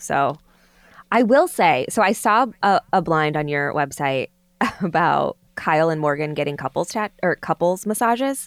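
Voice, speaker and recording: A woman with an American accent and a normal speaking voice at a moderate pace, dry, close sound with no echo, on a very clean recording with a silent background. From US East Coast. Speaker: podcast host and comedian. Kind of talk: casual chat.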